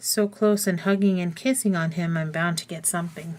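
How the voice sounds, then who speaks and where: A woman's somewhat breathy, fairly low-pitched voice on a very clean recording with a silent background. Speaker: art tutorial video maker. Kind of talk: tutorial. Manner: casual, chatty.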